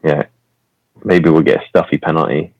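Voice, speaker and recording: A man's voice: extremely low pitch, fairly even intonation, moderate pace, no echo. An English man on a remote call, sounding muffled as if talking in a bucket, chatting casually and joking. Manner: joking, laughs often. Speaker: podcast guest. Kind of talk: casual chat. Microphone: remote call on poor internet. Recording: dull muffled call audio.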